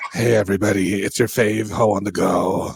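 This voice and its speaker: A man puts on a raspy character voice at a fairly low pitch, with monotone, flat intonation. He speaks at a fairly quick pace over light background noise. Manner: brash, cheeky.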